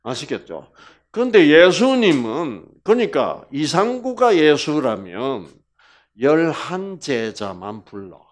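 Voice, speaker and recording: Guy preaching slow and animated, loud then whispery, cracks jokes. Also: fairly high pitch. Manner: swings from loud emphasis to hushed whispers, jokes and laughs; slow, drawn-out emphasis. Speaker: health lecturer. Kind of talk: lively sermon-style lecture.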